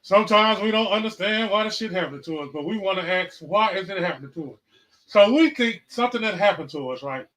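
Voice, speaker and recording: Excitable high-voiced man in his forties. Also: brisk, low-quality recording. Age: 40s. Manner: loud excitable outbursts, repetitive; profane, slangy, calls out viewers. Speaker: podcast host. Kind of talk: casual preaching and chat. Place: livestream, home setup.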